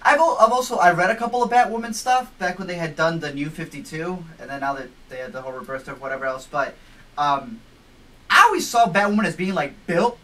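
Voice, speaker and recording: A man's voice: on the high side, quick pace, bright, forceful tone, distant mic, low-quality recording. A man co-hosting a casual podcast, talking in a laid-back, frank way with frequent chuckles. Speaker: podcast co-host. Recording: voice a bit off the mic.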